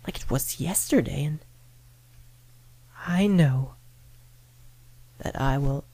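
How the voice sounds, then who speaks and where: A woman narrating a first-person scary story in a dramatic, deliberate manner with suspenseful pauses. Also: sits low, dark tone, no room sound. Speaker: horror story reader. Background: background music.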